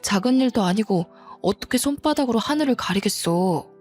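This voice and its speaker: A woman's voice: mid-range voice, lively intonation, a little fast, darkish tone, slightly rough, faint music behind. A woman voicing a resigned brother-in-law who speaks wearily. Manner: weary, resigned. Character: resigned young husband of the cruel sister, man.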